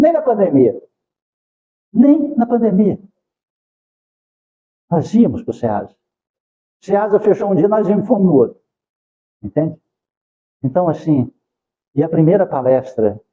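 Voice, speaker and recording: Earnest older man in a lively lecture. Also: medium pitch, phone-quality sound. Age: 60s. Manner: earnest, often adds tag questions. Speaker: Spiritist center lecturer. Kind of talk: devotional lecture. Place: lecture hall of a Spiritist center.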